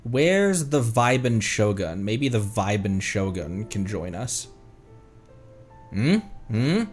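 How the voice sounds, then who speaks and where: A man streaming a game, talking casually to viewers in an animated, rambling way and muttering to himself. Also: on the low side, slow, soft background music. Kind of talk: casual livestream gaming chat with viewers.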